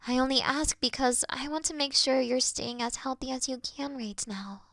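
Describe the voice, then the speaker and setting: Woman acting a gentle, high-voiced caring best friend. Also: steady tone, normal speed, no echo, clean studio sound. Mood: patient, encouraging. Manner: soft, soothing, reassuring, sighing, dropping into breathy murmurs. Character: caring, gentle young female best friend, patient and worried. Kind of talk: roleplay audio, intimate one-sided phone call.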